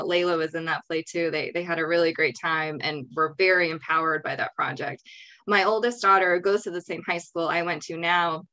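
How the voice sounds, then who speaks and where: Earnest low-voiced woman panelist. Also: fairly bright tone. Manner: earnest, reflective, with many restarts. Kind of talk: panel discussion remarks.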